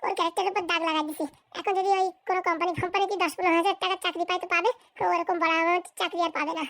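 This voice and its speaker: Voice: very high voice, level tone, racing, bright, forceful tone, no echo. A performer voicing a scheming, bossy village madam in a comedy cartoon, with scolding, boastful colloquial chatter. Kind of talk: exaggerated cartoon comedy dialogue.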